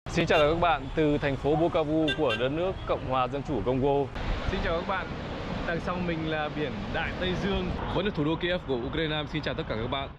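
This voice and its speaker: A man's voice: fairly high pitch, a little fast, dull audio. A man, a travel vlogger, cheerfully greeting his viewers to camera.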